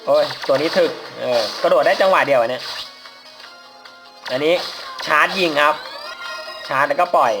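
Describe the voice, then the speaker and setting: A man's voice: on the high side, moderate pace, long pauses, over music. A man casually commentating as he plays a mobile game, polite and chatty, laughing at his own mistakes. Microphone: phone mic while playing on a phone.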